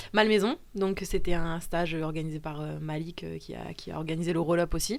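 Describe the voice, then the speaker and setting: A woman with a slight southern French accent speaks at a fairly low pitch with fairly even intonation, her loudness swinging widely. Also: moderate pace. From southeastern France (Toulon). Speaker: athlete. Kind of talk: casual chat. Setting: studio.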